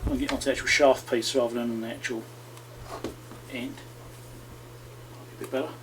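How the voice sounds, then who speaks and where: A man's voice: mid-range voice, level tone, brisk, noisy background. A man hosting a repair video, casually talking himself through the work with chatty asides to viewers. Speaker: electronics repair channel host. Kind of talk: casual running commentary while repairing.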